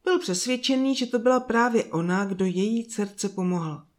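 A woman narrating a fairy tale in a slow, soft storytelling manner with drawn-out pauses. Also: mid-range voice.

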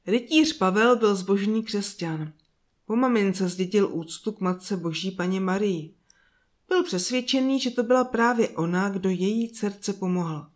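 A woman narrating a children's fairy tale in a calm, soft and slow reading voice. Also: medium pitch. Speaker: storyteller. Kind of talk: scripted storybook narration.

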